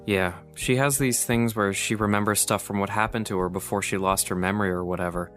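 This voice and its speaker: A male actor as a weary man with a low voice in a modern audio drama. He sounds hesitant and evasive, and music plays behind him. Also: steady tone, a little fast, a bit bright, lightly acted. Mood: tired, evasive. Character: worn-out, evasive man brushing off a friend.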